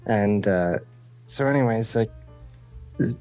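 A man's voice: lowish voice, slow, a little mellow, soft background music. A man hosting a podcast, telling a rambling, casual comic story and acting out the dialogue. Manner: rambling, acts out quoted dialogue. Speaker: podcast host.

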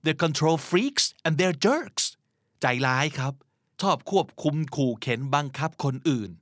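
A male podcast host giving a scripted vocabulary lesson, explaining each term clearly and spelling words out letter by letter. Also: on the high side, sing-song, takes it slowly, fairly bright tone, dry recording, studio quality.

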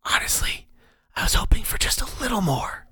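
A man voicing an urgent mentor figure in a breathy whisper, insistent and instructive. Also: high voice, sing-song, normal speed, pushed and bright, no room sound, voice pushed up, heavily acted.

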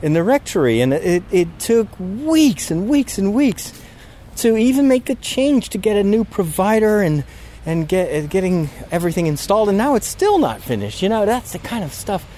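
Hoarse-throated man thinking aloud, halting. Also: sits high, big pitch swings, warm tone, a little hiss or hum. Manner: halting, many restarts and fillers, frustrated. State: sore throat. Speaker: podcast host. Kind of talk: casual spoken reflection, walking outdoors. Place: outdoors in a park near road works.

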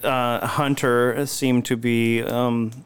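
A man with an American accent hosting a podcast, chatting casually and teasingly in a halting, genial way. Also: medium pitch, little pitch movement, a little hiss or hum. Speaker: podcast host. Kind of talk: casual interview chat.

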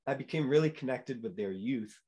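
A man's voice: mid-range voice, lively intonation, brisk, dark tone, slightly rough. A young man from New England, a Christian musician telling his story as a podcast guest, earnest and full of fillers and restarts. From New England, United States. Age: young adult. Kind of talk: casual interview chat.

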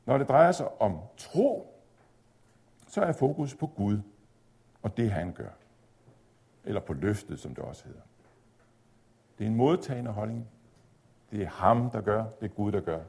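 A man giving a measured, explanatory theology lecture, at times pausing on fillers. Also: fairly low pitch, very animated, gravelly, a little mellow, husky. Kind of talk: spoken lecture on Luther's reading of Galatians.

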